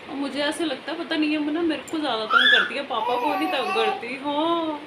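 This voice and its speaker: A mother vlogs casually at home at night, coaxing and soothing her children in a high-pitched, fairly quick voice. It's captured as a noisy home phone recording.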